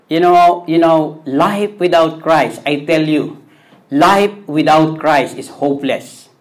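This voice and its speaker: Filipino pastor guy preaching real slow in simple english, tagalog is his first language, kinda high voice. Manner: preaching slowly in simple, halting English with repeated phrases. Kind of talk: sermon.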